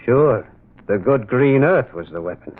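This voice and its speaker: An actor playing a mild priest and amateur detective who muses and gently insists, in old-time radio drama style. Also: male voice, mid-range voice, lively intonation, a little slow. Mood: probing, wry. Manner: hesitant, musing, gently insistent. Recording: noisy, tinny vintage radio recording.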